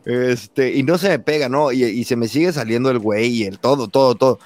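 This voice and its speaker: A man's voice: medium pitch, a little fast, no room sound, soft background music. Mexican man in his thirties, dry sound. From Mexico, San Luis Potosí. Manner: animated, acts out quoted dialogue, says güey constantly. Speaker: podcast host being interviewed. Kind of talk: casual conversation.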